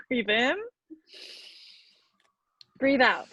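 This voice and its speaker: An actress playing an encouraging, bossy best friend in a comedy sketch, coaxing and emphatic. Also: female voice, fairly high pitch, extremely slow, pushed and bright, breathy edge, no echo, highs cut off, heavily acted. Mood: soothing, coaching. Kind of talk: virtual staged comedy sketch reading.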